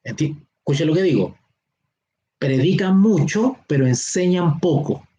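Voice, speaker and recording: A man's voice: a little high, expressive, dark tone, dull audio. Chilean man teaching a Bible class. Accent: Chilean Spanish. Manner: explains slowly, stretching key words, with frequent checks like "¿ya?". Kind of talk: live Bible seminar teaching. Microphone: online class or teleconference.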